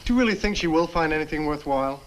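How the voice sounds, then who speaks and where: An actor playing a pleading, exasperated young boyfriend in a 1960 horror film. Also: male voice, a little high, animated, racing, a little hiss or hum, natural voice. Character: pleading, dismissive young boyfriend, a science student.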